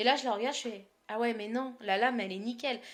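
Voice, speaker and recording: A woman with a high pitch talks at a very fast pace. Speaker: craft vlogger. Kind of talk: casual vlog. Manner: hesitant, many fillers.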